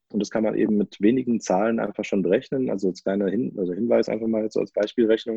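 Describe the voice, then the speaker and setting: With hardly any pauses, a man with a fairly low voice talks at a very fast pace in fairly even intonation. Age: 20s. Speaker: finance content creator and employee. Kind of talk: interview.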